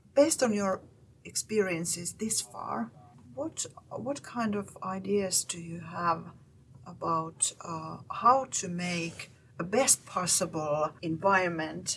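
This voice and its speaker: A woman speaks at a fairly slow pace and a medium pitch, her intonation lively and her loudness swinging widely. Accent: Finnish. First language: Finnish. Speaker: podcast host and vocational teacher. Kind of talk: casual chat.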